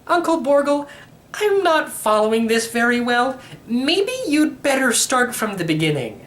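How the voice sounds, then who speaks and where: A man's voice: extremely high pitch, sing-song, unhurried, a bit bright, voice pushed up, heavily acted. A man voicing an anxious, bewildered young boy in a storybook, fretful and full of questions. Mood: worried, puzzled. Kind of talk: storybook character reading.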